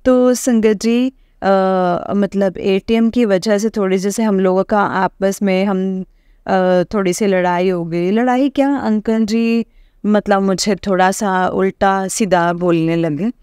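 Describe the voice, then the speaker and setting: Slow, mellow-voiced woman telling her story. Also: medium pitch, fairly even intonation, smooth, no echo, studio quality. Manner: halting, with many pauses and fillers; keeps addressing her listeners respectfully. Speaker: devotee sharing a testimony. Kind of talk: personal testimony to a congregation.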